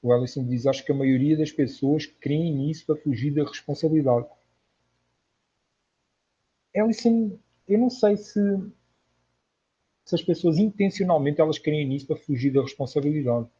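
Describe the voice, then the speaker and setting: A man's voice: a little high, normal speed, long pauses, mellow, breathy edge. A man from Portugal with a Portuguese accent, speaking casually and earnestly as a livestream host, with emphatic repetition, on lo-fi audio. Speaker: online spiritual lecturer, livestream host. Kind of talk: casual livestream talk answering viewers' comments.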